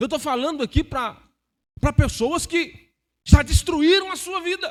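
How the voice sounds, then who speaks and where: An animated man at an extremely high pitch, fairly slow in pace, with ordinary pitch variation and big swings in loudness. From Brazil, Piauí. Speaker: pastor. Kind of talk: sermon.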